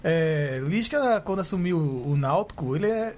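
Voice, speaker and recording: A man's voice: on the high side, lively intonation, moderate pace, darkish tone, a little hiss or hum. A man with a Pernambucan Brazilian accent, a sports journalist on a podcast panel. He makes arguments and cuts in to say his piece. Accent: Pernambucan Brazilian Portuguese. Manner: argumentative, interjects with "peraí". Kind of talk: casual sports chat.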